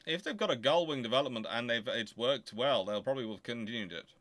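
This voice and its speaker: A man's voice: mid-range voice, expressive, fairly bright tone. A man hosting a history talk, answering questions off the cuff and often stopping to rephrase as he thinks aloud. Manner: halting, thinking aloud with repeated self-corrections. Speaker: host of a naval history channel.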